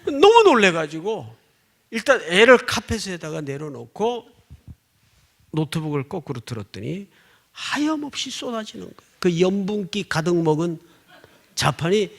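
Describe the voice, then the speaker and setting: Animated male pastor with gravelly voice. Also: sits high, normal speed. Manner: storytelling with dramatic swings, acting out shouts and whispers; asks the congregation "예?" for response. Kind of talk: sermon.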